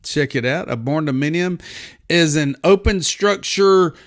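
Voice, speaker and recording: Animated man hosting a crypto show. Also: on the high side, a little slow. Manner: animated, mock-panicked asides, drawling reassurance. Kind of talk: casual solo video commentary.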